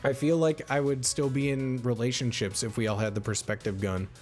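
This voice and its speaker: A man's voice: mid-range voice, fairly even intonation, fairly quick, a little mellow, soft background music. Laid-back guy chatting with his stream. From United States. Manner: slangy and laid-back, often saying bro and homie; rambling, with many fillers and restarts. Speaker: livestreamer. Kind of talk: casual chat with viewers.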